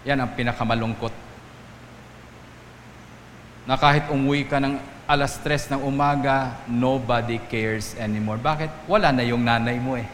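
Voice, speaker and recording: A man's voice: mid-range voice, fairly bright tone, slight background noise. A man, a priest, giving a Sunday homily, telling stories and acting out the voices of the people in them. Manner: storytelling, acting out quoted voices, asking "Amen?". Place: church. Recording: echoey church hall, faint ambience.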